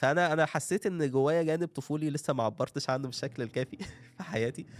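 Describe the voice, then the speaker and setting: A man talks at a fairly quick pace. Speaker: content creator. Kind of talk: casual interview chat. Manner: quiet, calm voice.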